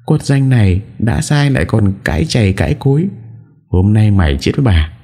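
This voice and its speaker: A man's voice: on the low side, very animated, moderate pace, warm tone, voice pushed up. A man voicing a harsh older mistress of a household who scolds in a storybook reading. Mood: scolding.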